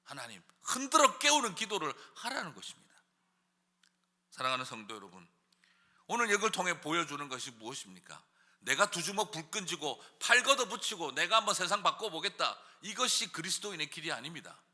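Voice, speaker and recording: Impassioned preacher, bright tense voice. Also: male voice, fairly high pitch, very animated, fairly quick, big-room sound. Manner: swings from quiet musing to loud impassioned shouting; asks rhetorical questions. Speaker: pastor. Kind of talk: sermon. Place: church sanctuary.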